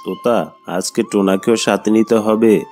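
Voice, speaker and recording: A man's voice: on the low side, fairly even intonation, a little slow, warm tone, soft background music, natural voice. A man voicing a friendly, loyal bird in a children's cartoon, earnest and reassuring.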